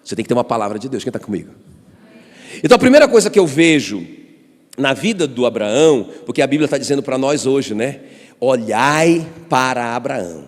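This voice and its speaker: Animated Brazilian pastor in a reverberant church. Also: male voice, mid-range voice, fast talker. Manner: animated, with personal stories and congregation call-and-response. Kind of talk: sermon. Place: church hall. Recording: long church hall reverb.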